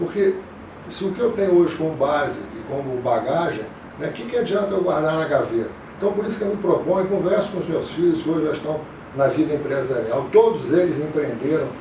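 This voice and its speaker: A high-pitched man's fairly quick voice amid noticeable background noise and audible room echo. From Rio de Janeiro, Brazil. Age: 60s. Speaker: podcast guest, retired manager and student. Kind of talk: interview. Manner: hesitant, repeats words.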